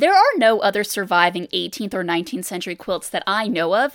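A woman with an American accent speaks in an animated tone at a fairly high pitch. She keeps a moderate pace in a very clean recording with a silent background. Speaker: podcast host on historic needlework. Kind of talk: scripted narration.

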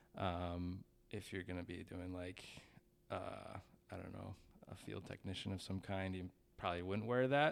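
A man with an American accent speaks at a very deep, low pitch with ordinary pitch variation. His pace is moderate, broken by long, frequent pauses. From Minnesota, Saint Cloud area. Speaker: video producer. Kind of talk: casual chat. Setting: studio.

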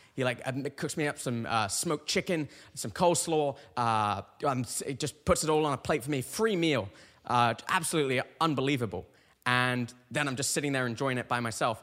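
Speaking with a British accent at a fairly quick pace, a man sounds animated, his medium pitch showing ordinary variation. The recording is very clean, with a silent background. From United Kingdom. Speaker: podcaster. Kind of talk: casual solo monologue. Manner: animated, humorous.

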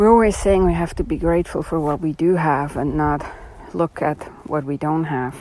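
Noticeable background noise sits behind a woman whose very deep, low voice has a calm, warm tone at a moderate pace. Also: ordinary pitch variation. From Switzerland. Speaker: podcast host, decluttering coach. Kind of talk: self-help podcast monologue. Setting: home recording.

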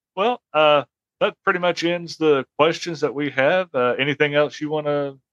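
Fairly high-pitched man with an ordinary speaking voice, ordinary pitch variation and a moderate pace, in a dry, close sound with no echo. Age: 50s. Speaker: podcast host and firearms trainer. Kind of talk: casual interview.

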